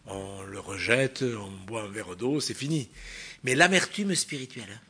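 A man with a fairly low, husky voice and lively intonation preaches a little slowly in church. His emphatic sermon shifts from forceful stresses to hushed asides, and he asks the congregation rhetorical questions.

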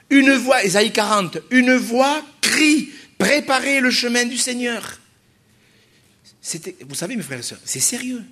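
High-voiced man preaching a sermon. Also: slightly rough. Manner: emphatic, swings between loud exhortation and soft asides; addresses the congregation directly, repeating phrases. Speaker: pastor.

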